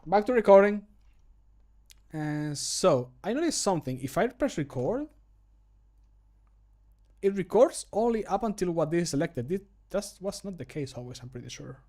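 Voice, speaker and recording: A man in his thirties with a fairly high voice chats casually as a streamer at home. His manner is joking and self-deprecating, with loose swearing. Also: sing-song, normal speed, pauses often, warm tone. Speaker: streamer recording mod voice lines. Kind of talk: casual livestream chat. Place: indoor home room.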